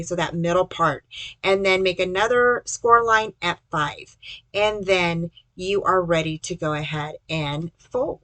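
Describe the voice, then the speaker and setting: A woman's voice: mid-range voice, no echo, poor audio. A woman giving casual, chatty step-by-step instructions in a folksy way, as the host of a craft tutorial.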